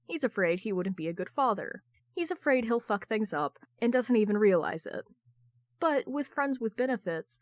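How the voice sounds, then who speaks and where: A woman's voice: medium pitch, no echo. Woman narrating fan fiction, dry close sound. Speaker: podfic reader.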